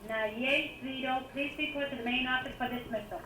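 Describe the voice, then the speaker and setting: Woman on the school intercom, high voice, faint and far off, echoey hallway sound. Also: fairly even intonation, moderate pace, a little hiss or hum. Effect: school intercom loudspeaker. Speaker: school staff making an announcement.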